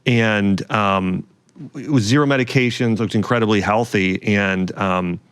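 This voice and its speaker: A man in his forties speaks as a guest doctor in a fairly low voice, talking quickly with frequent fillers and restarts. His voice sounds dry and close, recorded in a podcast studio. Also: a bit bright, smooth, no echo. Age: 40s. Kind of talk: casual conversation.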